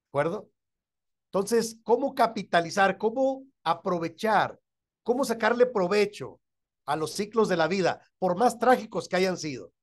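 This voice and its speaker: A middle-aged Mexican-accented pastor teaching a church class, his voice sitting a little high for a man. He keeps checking in with his listeners and laughs softly between points. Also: expressive, normal speed.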